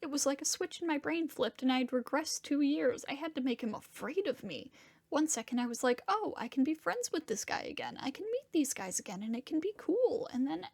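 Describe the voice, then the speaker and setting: Distraught young male monster in audio fiction, played by a woman; fairly high voice, halting, profane confession. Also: a little mellow. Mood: guilty, anguished. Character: distraught young monstrous man Diego confessing a violent fight. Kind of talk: first-person dramatic fiction narration.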